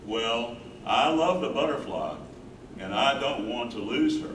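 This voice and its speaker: A man's voice: mid-range voice, animated, unhurried, fairly bright tone. A man in a staged play reading, playing an earnest, devoted young man courting his sweetheart with theatrical delivery. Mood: earnest, persuasive. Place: live staged reading in a room. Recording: echoey room, distant mic, noisy.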